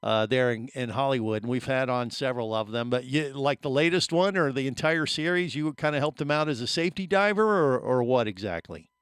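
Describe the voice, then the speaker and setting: Smooth-voiced man hosting a radio show. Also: medium pitch, fairly quick, few pauses, a bit bright, dry recording. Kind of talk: interview conversation. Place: radio studio.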